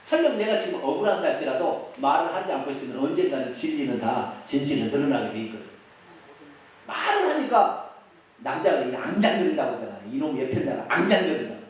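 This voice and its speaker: A male pastor preaching with a high, lively voice that swings up and down. He keeps asking the congregation questions and acts out the quotes. He is heard from a distance in a very echoey church hall. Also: brisk. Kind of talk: expository sermon. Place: church sanctuary.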